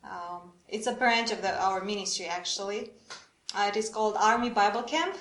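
A woman's voice: medium pitch, normal speed, a bit bright. A woman from Romania, leading a church workshop on prayer and drawing the audience in with questions. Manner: engaging, asks the audience questions. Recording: echoey room.

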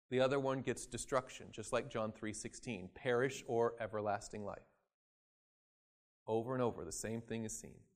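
A man preaching a sermon, acting out quoted voices and swinging from loud emphasis to quiet asides. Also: medium pitch. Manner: dramatic, acts out voices in quoted scripture.

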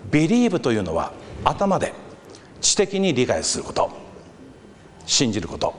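A male pastor delivers a sermon as a story, his voice rising and falling with lively, expressive swings. He acts out the shouts of a crowd along the way. The sound carries a long hall reverb, with a faint hum of noise underneath. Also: a little high, unhurried.

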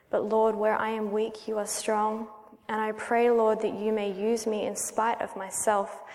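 An Australian woman in her thirties, praying and then giving her personal testimony as a guest speaker in a church, earnest and measured. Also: mid-range voice, darkish tone. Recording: long hall reverb.

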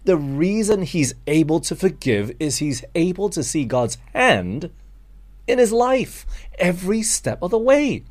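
A man's voice: high voice, very animated, a little slow. A Malaysian man preaching a sermon, earnest and direct, calling his listeners friends and asking them rhetorical questions.

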